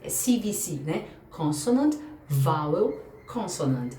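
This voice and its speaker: A woman's voice: low voice, very animated, takes it slowly, mellow. Brazilian woman teaching in an echoey room. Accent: Brazilian Portuguese. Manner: chatty, spells out letters, asks rhetorical questions. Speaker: English teacher. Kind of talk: explaining grammar to an online class. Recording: echoey room, voice a bit far from the mic, faint background hum.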